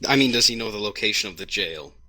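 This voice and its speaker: A man's voice: fairly low pitch, lively intonation, fast, bright, forceful tone. A man playing a tabletop game, playful and joking, asking the game master many questions. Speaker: player. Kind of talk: casual game chat.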